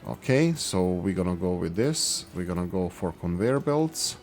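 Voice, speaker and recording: A man's voice: deep voice, animated, moderate pace, darkish tone. A man hosting a gaming channel, giving gameplay commentary and thinking aloud as he works through production numbers.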